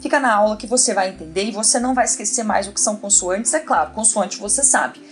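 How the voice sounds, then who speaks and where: A Brazilian woman teaching an online Portuguese grammar lesson, lively and talking straight to the viewer with questions. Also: mid-range voice, fast talker, faint music behind.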